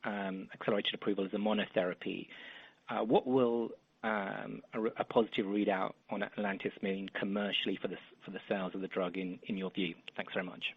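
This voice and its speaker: A male analyst with a lowish, husky voice puts a polite question on a conference call. His phrasing is hesitant and the line sounds dull and lo-fi. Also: flat delivery, fairly quick. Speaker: analyst caller asking questions.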